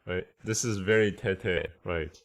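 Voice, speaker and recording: Teaching a relaxed online language class, this low-pitched man explains and translates as he thinks out loud, frequently stopping to make sure everyone keeps up. His tone is clean.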